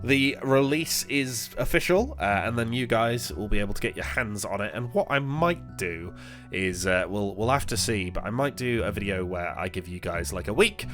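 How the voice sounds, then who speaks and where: A man with a fairly low voice talks through his gaming session in a loose, rambling way, full of "uh"s and restarts. He sounds a bit congested from a recent illness. Soft guitar music plays quietly behind him. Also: animated, normal speed. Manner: rambling, many fillers and restarts. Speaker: gaming channel host. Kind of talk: casual gameplay commentary.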